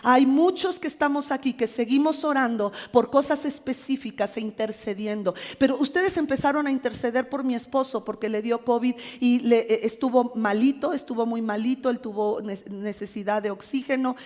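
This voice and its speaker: A middle-aged woman pastor with a Mexican accent preaches with lively, self-mocking storytelling. Her voice sits high, and a long church-hall reverb trails each phrase. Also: moderate pace, few pauses. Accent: Mexican Spanish. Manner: animated storytelling with self-deprecating humor. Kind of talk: sermon with personal testimony.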